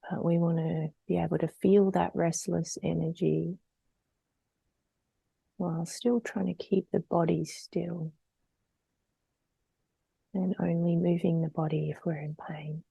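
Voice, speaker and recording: A woman leading a guided meditation in a soft, breathy, gentle voice, unhurried and trailing towards a whisper between long pauses. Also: on the low side, level tone, dry recording, poor audio.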